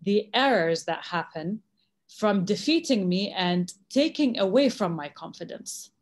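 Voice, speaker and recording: A woman moderating a webinar panel on a video call, asking questions in a measured way. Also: medium pitch, lively intonation. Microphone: laptop webcam video call.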